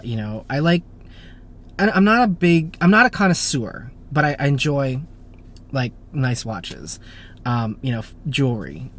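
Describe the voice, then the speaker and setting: A man's voice: medium pitch, a little hiss or hum. A man in his thirties, born in Japan and raised in the United States, hosting a casual Q&A with lots of fillers and self-deprecating asides. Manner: chatty, self-deprecating, many fillers and restarts. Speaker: YouTube car channel host. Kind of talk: casual Q&A to camera.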